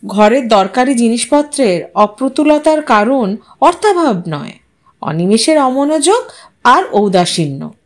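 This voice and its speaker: Expressive woman storyteller, fairly high voice. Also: measured pace. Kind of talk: scripted dramatic narration of a short story.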